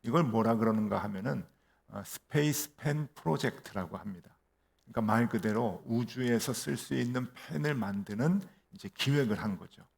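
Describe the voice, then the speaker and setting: 중년 남자 목사가 교회에서 "어" 같은 추임새와 반문을 섞어 가며 이야기를 들려주듯 설교한다. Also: male voice, medium pitch, moderate pace, vocal fry. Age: middle-aged. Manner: storytelling with fillers and rhetorical questions. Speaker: pastor. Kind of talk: sermon. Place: church.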